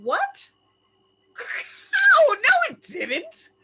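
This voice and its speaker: A woman's voice: very high voice, wildly swooping pitch, extremely slow, sharp tone, heavily acted. A woman playing a brash, clueless, crude and defensive young American man in a screenplay table read. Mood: incredulous.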